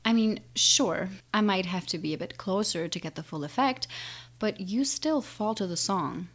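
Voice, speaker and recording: A woman's voice: mid-range voice, animated, moderate pace, lightly acted. A woman playing an ancient, menacing siren in an audio drama, taunting and condescending with a theatrical drawl. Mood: intrigued, sly. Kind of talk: audio drama villain acting.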